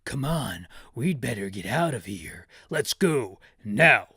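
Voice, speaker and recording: A man voicing a gruff, urgent male action veteran in dramatic video game dialogue. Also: mid-range voice, very animated, slow, bright, forceful tone, no echo, clean studio sound, pitched below the performer's own voice, heavily acted. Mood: grim urgency.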